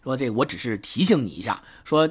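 A man's voice: mid-range voice, lively intonation, fast talker, husky. A man voicing a good-natured older male driver who picked up a hitchhiker, talking in an easygoing, chatty way.

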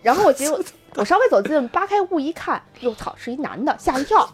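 Woman telling a travel story fast, kinda high voice, lots of ups and downs, laughs a lot. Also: faint music behind. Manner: animated storytelling, laughing often. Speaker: guest storyteller. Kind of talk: casual chat.

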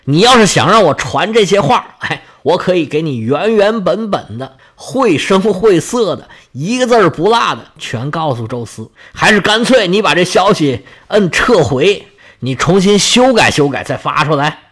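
A man's voice: high voice, sing-song, normal speed, a bit bright, exaggerated voice. A man voicing a sly female messenger goddess who delivers messages formally and teases with mock politeness. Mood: teasing. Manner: mocking, sly, formal then teasing.

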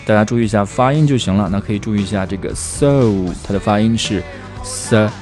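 A man teaching English pronunciation who explains step by step and repeats example phrases slowly for drilling. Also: lowish voice. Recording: soft guitar music underneath.

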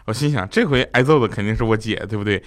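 A man hosting a comedy show, telling funny family stories and acting out his shouting relatives. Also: on the low side, very fast. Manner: tells jokes and acts out shouting relatives. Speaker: comedy podcast host. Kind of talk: comic storytelling.

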